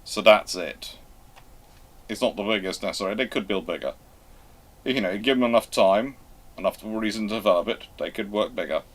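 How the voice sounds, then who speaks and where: A man hosting a live question-and-answer history talk, speaking in a halting, emphatic way as he reworks his phrases. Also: on the low side. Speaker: host answering viewer questions.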